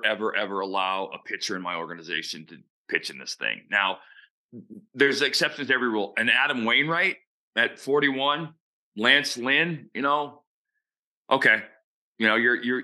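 A man's voice: medium pitch, bright, forceful tone. A man giving blunt, opinionated baseball analysis in casual podcast chat. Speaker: baseball analyst and show regular.

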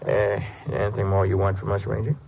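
An actor playing a jealous, nervously defensive American husband in a 1950s western radio drama, talking in a self-justifying way. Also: male voice, lowish voice, completely flat delivery, a little fast, vocal fry, a little hiss or hum. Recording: muffled old-time radio recording.

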